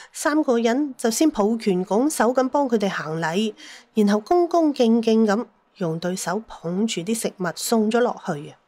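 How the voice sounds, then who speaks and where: A woman's voice: medium pitch, darkish tone. A woman telling a dramatised story as an audiobook narrator, with a Cantonese accent.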